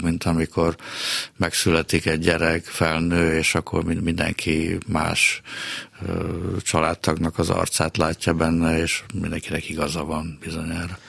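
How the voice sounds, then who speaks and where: Man, very low monotone voice, hesitant, many pauses, dry close sound. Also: creaky, no echo. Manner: hesitant, many pauses and fillers, trailing off softly. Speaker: writer and guest. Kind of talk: radio interview. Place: radio studio.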